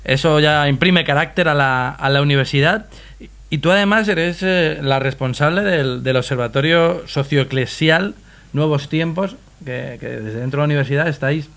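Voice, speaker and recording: A man's voice: a little high, moderate pace, gravelly, fairly bright tone. Hesitant male interview host. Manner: hesitant, stumbles and repeats words. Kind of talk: conversational interview hosting.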